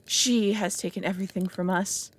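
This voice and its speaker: A woman's voice: mid-range voice, steady tone, moderate pace, natural voice. A woman playing an ancient, proud and lonely dragon, speaking solemnly in a dramatic audio roleplay. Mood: bitter, exasperated. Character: ancient lonely female dragon, proud, brooding, reluctant foster mother.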